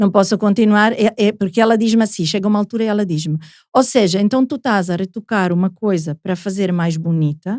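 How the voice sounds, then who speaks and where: A woman with an Italian accent, medium pitch and ordinary pitch variation, at a fairly quick pace, in a dry, close sound with no echo. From Italy. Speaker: parenting coach, former image retoucher. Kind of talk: interview answer.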